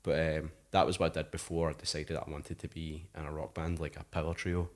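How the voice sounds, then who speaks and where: A very deep-voiced Scottish man in his thirties talks fairly quickly with little movement in pitch. As a musician guest in an interview, he keeps things casual, rambling and saying "like" often.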